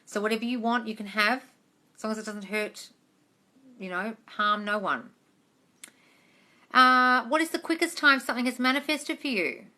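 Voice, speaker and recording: Bright, higher-pitched chatty woman in her forties. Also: moderate pace, long pauses. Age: 40s. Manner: chatty, informal, calls listeners darling and guys. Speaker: manifestation coach hosting a live Q&A. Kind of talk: casual livestream chat answering viewer questions. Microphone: phone, close up.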